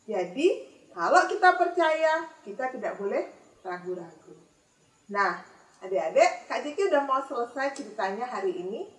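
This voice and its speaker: A young woman telling a Bible story to children in a church, expressive and speaking straight to the kids. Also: fairly high pitch, normal speed. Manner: expressive, addresses children directly. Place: church room. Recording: echoey room from a distance.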